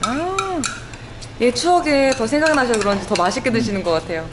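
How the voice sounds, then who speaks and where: A woman's voice: a little high, very animated, a little fast. A woman chatting politely and agreeably as she tastes and describes food on a casual mukbang. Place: restaurant. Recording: clear background noise and clicks.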